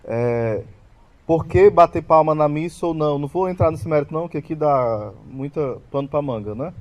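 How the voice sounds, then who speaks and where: A man's voice: fairly high pitch, moderate pace, darkish tone. A man with a Brazilian Portuguese accent giving a catechetical talk about the Mass, often asking the audience questions and answering them himself. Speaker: Catholic lay preacher.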